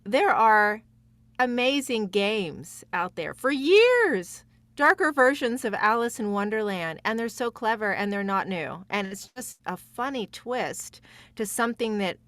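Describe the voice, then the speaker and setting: A woman's voice: medium pitch, lively intonation, unhurried, a bit bright, dry recording. Chatty, giggly woman sharing stories. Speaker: guest voice actress. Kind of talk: casual animated storytelling.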